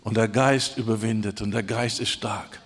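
A man's voice: lowish voice, steady tone, normal speed, husky, in a large hall. A male pastor preaching a sermon emphatically, repeating key phrases and often interjecting exclamations of praise.

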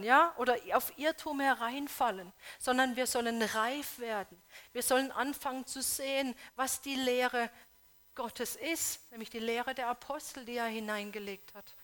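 A woman with a high-pitched voice preaches a sermon, earnestly pressing her congregation with questions. She shifts between loud appeals and soft, hushed emphasis.

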